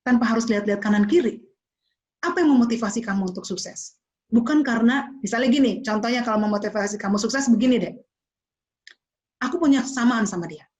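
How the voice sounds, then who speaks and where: A woman giving a motivational talk to students, expressive and slipping into English phrases. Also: fairly high pitch, fast, lo-fi sound. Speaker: motivational speaker.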